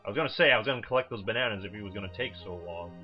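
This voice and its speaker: Talking very fast in a voice on the low side, a man rambles through informal video game commentary as a let's player, swearing freely. Game music plays behind a dull, lo-fi mic recording.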